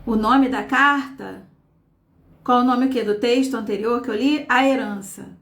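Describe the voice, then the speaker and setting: Uma professora dando aula online, explicando com paciência e lendo trechos em voz alta com entonação marcada, sempre checando com "tá?" e "né?". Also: female voice, a little high, unhurried, fairly bright tone, echoey room. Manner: explains patiently, reads texts aloud with marked intonation; often checks in with "tá?" and "né?". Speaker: teacher. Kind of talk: live online class.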